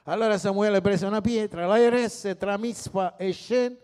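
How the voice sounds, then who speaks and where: Un uomo che predica un sermone con fervore, passando da toni sommessi a slanci forti e interpellando i fedeli. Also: male voice, sits high, normal speed, smooth. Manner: rousing preacher, swings from hushed to loud, calls to the congregation. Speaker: pastor. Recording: long hall reverb.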